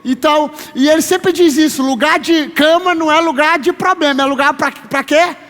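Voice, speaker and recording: High pitched preacher guy, emphatic, drags words out for emphasis, big echoey church sound. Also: a bit bright. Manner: emphatic, slows down to stress promises, calls listeners brother. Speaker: pastor. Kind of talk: sermon. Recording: long reverb of a large hall.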